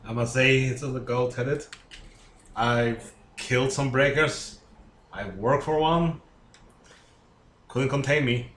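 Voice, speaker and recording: A brawny, dim god, played by a man at a game table brags in short deadpan bursts. The delivery is very slow, in an echoey room with slight noise behind it. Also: mid-range voice. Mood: boastful. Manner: terse, deadpan bragging. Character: boastful, dim, brawny gold-headed god. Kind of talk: tabletop role-play.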